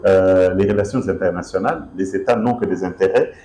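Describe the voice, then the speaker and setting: A man's voice: deep voice, a little fast, echoey room, slight background noise. A man from Kinshasa answering interview questions as an author, speaking emphatically with many fillers and restarts. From DR Congo, Kinshasa. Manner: expressive, emphatic, repeats himself with fillers.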